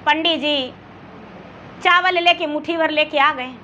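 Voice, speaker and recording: A woman with a Bihari accent narrates a religious folk story in an extremely high, bright voice. She takes her time, speaking in a homely village manner and repeating phrases for emphasis. The recording is dull and lo-fi, with faint noise behind her. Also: a little slow. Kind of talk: oral storytelling with acted dialogue, addressing a devotional gathering.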